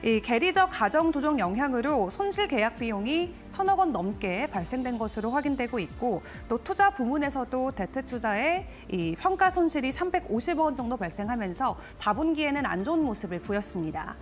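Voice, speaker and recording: Young female financial news anchor: high, animated voice, formal studio delivery over a music bed. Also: fairly quick, hardly any pauses. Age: young adult. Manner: polished, formal presenter delivery. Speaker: TV stock market news presenter. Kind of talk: broadcast financial report presentation. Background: background music.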